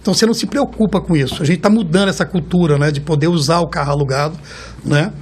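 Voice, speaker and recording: A Brazilian man in his fifties, a guest in an interview, talking in a chatty, storytelling way and often ending phrases with a quick "right?". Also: on the high side, slightly rough. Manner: chatty, warm storytelling, keeps tagging phrases with a questioning "right?". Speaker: guest, car rental executive. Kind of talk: casual interview talk.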